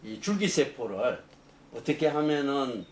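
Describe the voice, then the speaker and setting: A middle-aged professor talks through his answers in a loose, rambling way, stopping and restarting often. His voice sits at an ordinary pitch for a man. The room is echoey, with a faint hiss underneath. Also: very animated, measured pace. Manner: rambling explanations with many fillers and restarts. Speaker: engineering professor. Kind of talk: interview answers.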